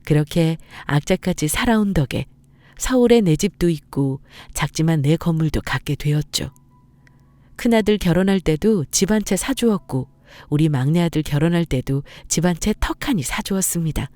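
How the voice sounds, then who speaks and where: A woman's voice: low voice, expressive, moderate pace, warm tone, no room sound. A middle-aged woman telling her own story as scripted narration, earnest and determined.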